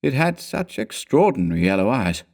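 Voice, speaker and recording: A man's voice: fairly low pitch, big pitch swings, moderate pace, a little mellow. A man voicing a grave, frightened and fatalistic canoe companion in a storybook, speaking with intense foreboding. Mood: grave, wondering. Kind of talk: storybook character dialogue.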